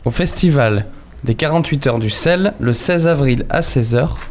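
A man hosting a local radio show, wrapping up in a brisk, friendly way. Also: medium pitch, lively intonation, a little mellow, a little hiss or hum. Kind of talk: casual radio sign-off.

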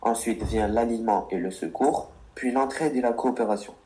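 A man's voice: medium pitch, moderate pace, warm tone. A man co-hosting a radio show about words, reading earnest explanations and answering teasing with mock exasperation. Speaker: co-host of a word radio show.

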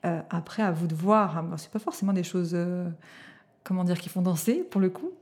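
A woman in her late thirties, a DJ guest chatting casually on the radio about music, hesitant with many fillers and quick to laugh. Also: lowish voice, darkish tone. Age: 30s.

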